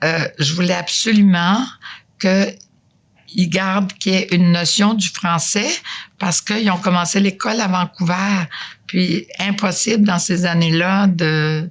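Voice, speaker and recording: This woman's somewhat breathy, fairly low voice moves at a very slow pace with fairly even intonation. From Quebec, Montérégie south-west. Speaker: retired nutrition technician. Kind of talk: interview. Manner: halting.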